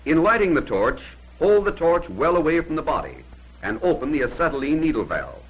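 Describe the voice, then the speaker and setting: A man narrates in the style of a 1950s instructional film. His voice swings widely in pitch and has a husky edge. He gives short, plain-spoken instructions with firm emphasis, captured on an old film soundtrack. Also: very animated, fairly quick, rough recording.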